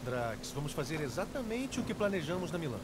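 A man's voice: fairly high pitch, sing-song, quick pace, heavy background noise. A man with a Brazilian accent playing a cocky, easygoing young space-outlaw leader in a video game, breezy and wisecracking. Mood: stubborn. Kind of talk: dubbed video game dialogue.

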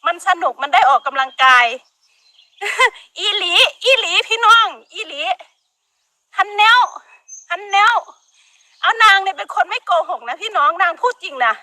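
A middle-aged woman with an Isan accent scolds in a very high, bright voice during a heated live-stream rant. She talks outdoors in the countryside, with animals and outdoor noise faintly behind her. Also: animated, a little slow, no room sound. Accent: Northeastern Thai (Isan). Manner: scolding, emphatic, frequent laughter, Isan dialect words.

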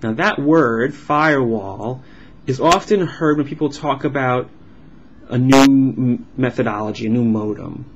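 A man's voice: mid-range voice, unhurried. Man interpreting aloud, dull noisy recording. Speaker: sign language interpreter voicing a signed vlog. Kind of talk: live interpretation of an explanatory vlog. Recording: dull lo-fi sound with clear background noise.

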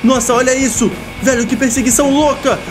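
A young man giving excited gameplay commentary in a small room, calling out to his viewers and playing a police officer. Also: extremely high pitch, fairly quick. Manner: hyped, shouts at the audience, plays the police role. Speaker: gameplay narrator. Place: small room with green screen. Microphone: headset. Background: loud game music.

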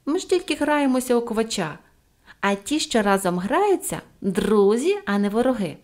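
A woman's voice: fairly high pitch, very animated, normal speed, a little mellow. A woman voicing a cheerful, cheeky little girl in an audiobook, with playful, exclaiming lines. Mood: friendly. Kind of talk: audiobook character voice.

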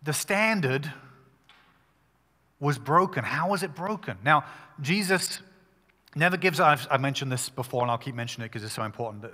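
A male pastor preaching a sermon at a pulpit microphone, talking in an emphatic, conversational way with quick restarts. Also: mid-range voice, animated, pushed and bright, big-room sound.

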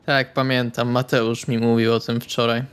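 A man playing a stone-faced, polite male vampire in tabletop roleplay, deadpan and formal. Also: medium pitch, normal speed, clear, resonant tone, natural voice. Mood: flat, calm.

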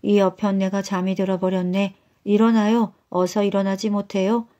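A woman's voice: medium pitch, level tone, moderate pace, warm tone, natural voice. A woman voicing a grumpy old man with a blocked nose who snorts before he talks and scolds his wife. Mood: scolding.

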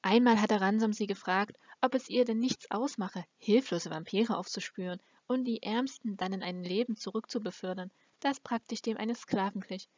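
A woman's voice: mid-range voice, normal speed, hardly any pauses, darkish tone, no room sound. A woman reading a fantasy novel aloud as an amateur audiobook narrator. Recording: dull, lo-fi close recording.

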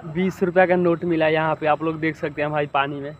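A man's voice: a little high, steady tone, fairly quick, phone-quality sound. A young man vlogging outdoors by a pond, talking chattily to viewers on a phone held at arm's length. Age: young adult. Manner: chatty, addresses viewers directly, mixes in English words. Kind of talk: casual outdoor vlog. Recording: noisy outdoor phone recording.

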